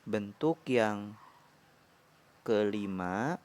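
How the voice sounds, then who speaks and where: Slow, low-voiced male math tutor. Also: expressive, darkish tone. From Indonesia. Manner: measured, pauses between short phrases. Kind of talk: slow explanatory lecture.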